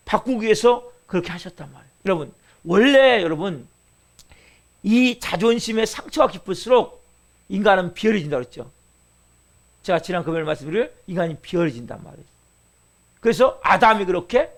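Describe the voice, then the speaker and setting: A man preaching a church sermon, drawing slow emphasis on key words and throwing rhetorical questions at the congregation. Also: high-pitched, a bit bright. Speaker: pastor. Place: church service.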